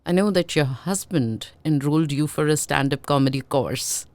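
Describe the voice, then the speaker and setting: A woman's voice: sits low, normal speed, a little mellow, dry recording. A woman hosting a podcast, asking short questions and following up attentively. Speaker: podcast host interviewer. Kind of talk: podcast interview.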